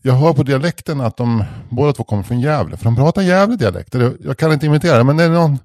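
A man's voice: mid-range voice, lively intonation, darkish tone, dry recording, clean studio sound. A man on a podcast telling a long anecdote in a casual, rambling way, often restarting sentences and swearing casually. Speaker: podcast co-host.

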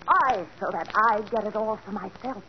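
A woman's voice: medium pitch, normal speed, lightly acted. An actress playing a greedy young woman who poisons her husband, menacing and mock-sweet, in 1940s radio acting on a dull old recording with hiss. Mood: cold.

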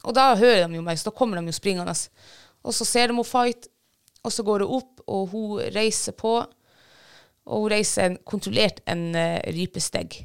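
A woman's voice: medium pitch, clear, resonant tone. A woman, a bird dog handler, casually retelling a field trial with many fillers and restarts. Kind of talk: casual storytelling.

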